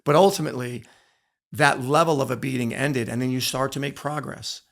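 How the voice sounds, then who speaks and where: A man's voice: medium pitch, fairly quick, gravelly. A middle-aged man speaking as a podcast guest, telling candid stories from his sporting life in an emphatic way, repeating phrases for weight. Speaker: interview guest, former wrestler and coach. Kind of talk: candid storytelling in a podcast interview.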